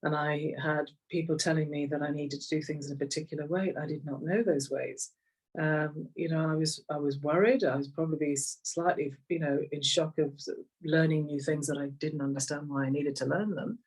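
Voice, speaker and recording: A woman's voice: deep voice, steady tone, brisk, darkish tone, breathy edge, recorded from a distance, low-quality recording. A middle-aged woman with an English accent tells personal stories conversationally, reflective and repeating phrases for emphasis. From Kenya, later rural England. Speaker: interview guest, executive coach.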